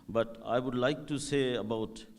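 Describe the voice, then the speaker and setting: A man with a Pakistani accent, a native Urdu speaker, giving a public presentation as a tourism coordinator in halting, emphatic phrases. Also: medium pitch, steady tone. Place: hotel event hall.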